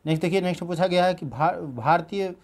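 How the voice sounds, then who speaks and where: Man drilling exam facts in a lesson. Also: high-pitched. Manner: repeats "thik hai" and "dekhiye" as he explains; drills facts by repeating them slowly. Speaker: exam-prep teacher. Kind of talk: current-affairs exam lesson.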